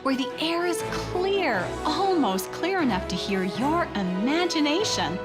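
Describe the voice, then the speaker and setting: A woman's voice: sits high, very animated, a little slow. A woman narrating a scripted introduction to a children's radio show. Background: prominent music.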